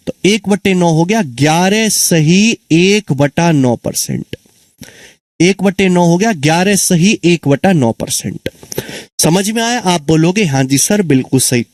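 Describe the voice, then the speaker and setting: A man's voice: sits high, darkish tone, no room sound. A man teaching an exam-prep maths lesson, who keeps repeating answers and asking his students questions. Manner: calls students children and friends.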